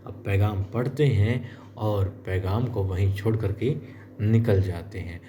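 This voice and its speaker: A man with a low, warm voice casually recaps a TV serial episode as a chatty story, talking to viewers like friends and acting out the characters' lines. There's slight background noise.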